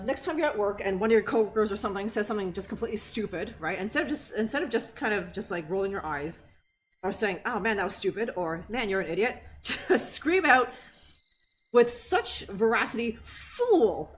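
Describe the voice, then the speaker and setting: A woman's voice: mid-range voice, animated, fairly quick, a little hiss or hum. A woman streamer giving casual gameplay commentary, giggly and rambling.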